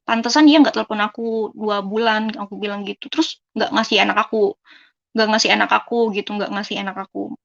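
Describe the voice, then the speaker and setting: A woman's voice: fairly high pitch, creaky, a bit bright, dull audio. A young woman from Indonesia giving a personal testimony in a conversational way, replaying quoted dialogue and often turning to her listeners as friends. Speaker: testimony speaker.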